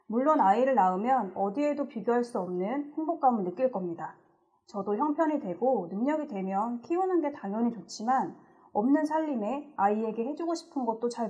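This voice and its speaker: A woman with a fairly high voice reads a viewer's letter aloud at an even, earnest pace. She then slips into relaxed co-host chat. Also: highs cut off.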